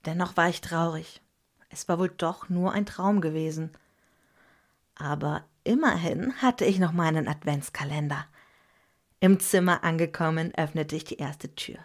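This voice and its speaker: A woman narrating a scripted story in a gentle, measured storytelling manner. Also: sits low.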